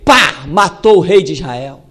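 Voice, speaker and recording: A Brazilian pastor with a Brazilian Portuguese accent, preaching a fiery sermon in an emphatic, repetitive storytelling way. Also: male voice, on the high side, expressive, a little slow, fairly bright tone.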